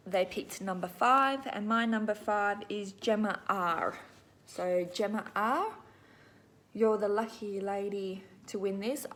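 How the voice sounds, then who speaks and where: A woman's voice: medium pitch, fairly bright tone. A middle-aged Australian woman hosting a crafting video, chatting casually to viewers in an informal, rambling, self-deprecating way.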